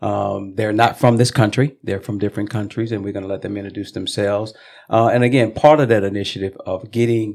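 With an ordinary speaking voice, a man talks at a fairly quick pace, his fairly low pitch held in fairly even intonation. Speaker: police officer and podcast host. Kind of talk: casual interview.

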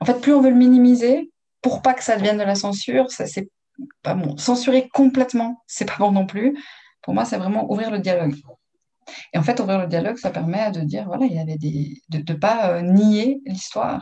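Lively intonation marks a woman with a plain, everyday voice. She talks at a moderate pace with a medium pitch. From Geneva, Switzerland. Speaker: stage actress. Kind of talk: casual interview chat.

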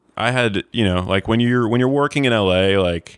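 Heard on a very clean recording with a silent background and a dry, close sound with no echo, a man has an unremarkable speaking voice. He talks at a moderate pace with an American accent and ordinary pitch variation. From New York. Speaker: documentary filmmaker and TV host. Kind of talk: casual interview chat. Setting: studio.

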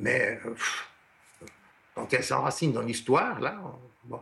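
Someone with a Portuguese accent speaks at a very slow pace. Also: man. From Portugal. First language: Portuguese (speaking French). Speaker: author. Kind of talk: radio interview.

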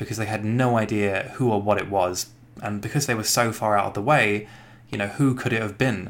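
This man has a British accent and a fairly low pitch. His intonation stays fairly even. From United Kingdom. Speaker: listener. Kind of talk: recorded retold ghost story.

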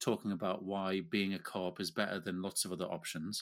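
Fairly quick talk from a man with an unremarkable speaking voice and fairly low pitch. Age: 40s. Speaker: podcast co-host. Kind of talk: casual chat. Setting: home studio, remote recording.

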